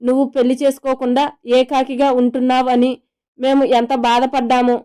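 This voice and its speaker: A woman's voice: high voice, flat delivery, brisk, dark tone, clean tone, close to an everyday voice. A woman voicing a young man's scolding, questioning best friend in a romantic audio story.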